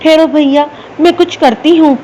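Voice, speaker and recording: A woman voicing a calm, confident young magical daughter who reassures her mother in a storybook tale. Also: high voice, normal speed, slight background noise, natural voice.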